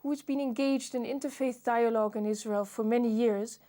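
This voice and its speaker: A woman hosting an interview, reading a formal introduction and asking measured questions. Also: fairly high pitch, fairly even intonation, mellow. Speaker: host.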